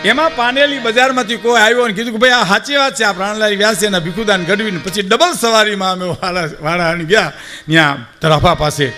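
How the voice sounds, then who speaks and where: Animated older Gujarati storyteller man. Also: high-pitched, fairly quick, faint music behind. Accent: Saurashtra Gujarati. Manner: animated, acts out quoted speakers, addresses audience as sir. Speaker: folk storyteller. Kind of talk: dayro storytelling to a live audience.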